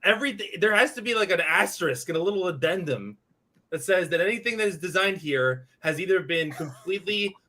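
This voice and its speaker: Bright-voiced sarcastic young man. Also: sits high, animated, fairly quick. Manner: sarcastic, riffs into comic bits. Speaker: co-host of a reading stream. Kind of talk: casual joking chat.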